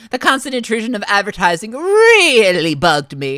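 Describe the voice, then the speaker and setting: A put-on character voice at a fairly high pitch jumps through very wide pitch swings. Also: moderate pace. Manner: playful, theatrical.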